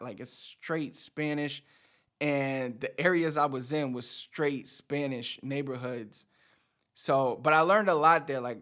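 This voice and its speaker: In a mid-range, somewhat bright voice, a man in his thirties gives his audience a casual motivational talk to camera. He teaches Spanish and hosts the channel, speaking conversationally and repeating words for emphasis.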